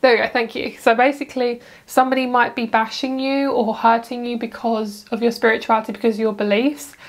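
A woman giving a casual tarot reading, chatty and rambling, breaking off into asides. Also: a little high. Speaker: tarot reader.

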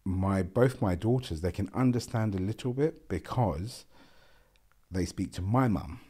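A man's voice: on the low side, unhurried, husky. A man in his forties with a South London accent, a podcast guest talking earnestly in a casual interview, often repeating his words. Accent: South London English. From South London, England. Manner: earnest, repeats words, animated with hand gestures. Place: small bright studio room with a window. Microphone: boom-arm podcast microphone.

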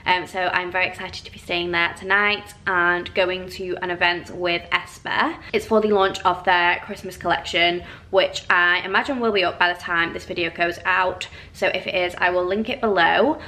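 A young woman, vlogging casually to camera, a little croaky from a cold, with lots of ums. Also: fairly low pitch, steady tone, normal speed, hardly any pauses, bright, forceful tone. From England. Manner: chatty, friendly, many ums. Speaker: beauty vlogger. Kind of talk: casual vlog chat to camera. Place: hotel room and tiled bathroom. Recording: echoey room sound.

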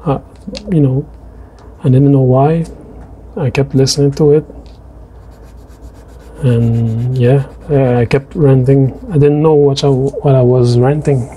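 Male French Canadian voice-over, native French speaker, hesitant and chatty, mellow tone, mid pitch. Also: fairly even intonation, slow pace, slight background noise, low-quality recording. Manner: hesitant, many restarts and fillers. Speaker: artist narrating a drawing video. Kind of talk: casual voice-over chat.

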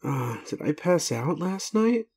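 A man playing a groggy, gentle, doubting werewolf in an intimate audio roleplay, speaking tenderly and haltingly to the listener as a doting caregiver. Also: fairly high pitch, sing-song, slightly rough, exaggerated voice. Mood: doubting, tired.

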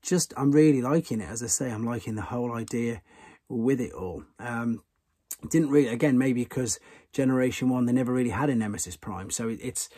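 A man's voice: mid-range voice, a little mellow, husky. A man in his thirties hosting a casual toy news vlog, chatty and enthusiastic, often repeating himself, recorded close up in a room full of toys. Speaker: toy channel host. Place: room with toy shelves behind.

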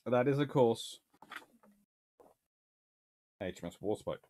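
Man in his 30s, home-study Q&A host, animated and dryly funny, rambling with fillers. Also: mid-range voice, slow. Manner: chatty, wry, with dry humour and frequent fillers. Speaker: naval historian answering viewer questions. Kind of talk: casual livestream Q&A. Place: small home study with bookshelves.

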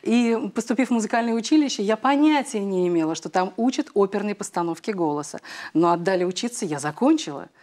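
A woman's voice: mid-range voice, lively intonation, quick pace, a little mellow. A middle-aged woman, a singer, answering interview questions in a TV studio, chatty, with frequent hesitations, on a lapel mic. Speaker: guest singer.

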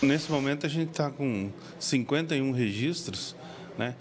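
A middle-aged man with a Brazilian accent, a civil defense official, explaining into reporters' mics in a halting way with many fillers. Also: mid-range voice, lively intonation, a little hiss or hum. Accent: Brazilian Portuguese. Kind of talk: press interview. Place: indoors before a press backdrop. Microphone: several handheld reporter mics.

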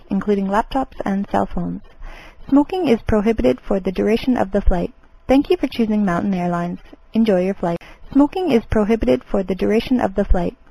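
Woman as a mellow, husky flight attendant. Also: mid-range voice, rough recording. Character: composed, polite female flight attendant. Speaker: flight attendant in a listening lesson. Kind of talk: scripted airline safety announcement.

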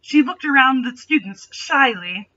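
A woman's voice: high-pitched, lively intonation, unhurried, sharp tone, dull audio. A young adult woman reading a story aloud with dramatic delivery and sarcastic, mocking asides. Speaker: host reading fan fiction aloud. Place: small bedroom, indoors.

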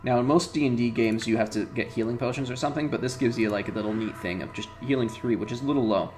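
A man's voice: mid-range voice, quick pace, a little mellow, soft background music. A man in his thirties casually commenting on the game he is playing, thinking aloud with lots of fillers at home. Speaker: let's play host. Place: home room.

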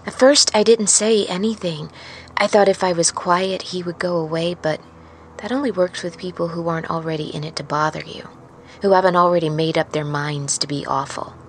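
A woman playing a wary, haunted truck driver in an intimate, confiding, halting audio-drama monologue. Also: fairly low pitch, steady tone, a little hiss or hum, close to an everyday voice. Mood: uneasy, haunted. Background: music.

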